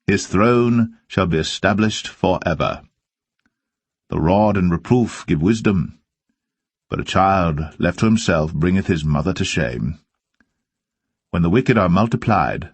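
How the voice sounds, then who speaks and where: A man with a low, husky voice reads archaic scripture in a solemn, deliberate way. Each verse is carefully phrased and measured. The sound is close and dry, with little sense of a room. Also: no room sound. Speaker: scripture reader. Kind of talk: solemn scripted Bible reading of archaic King James verse.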